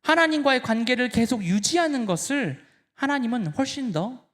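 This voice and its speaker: A man preaching a sermon as pastor, talking straight to the congregation and swinging between hushed and loud. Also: very high-pitched, animated, moderate pace. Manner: addresses the congregation directly.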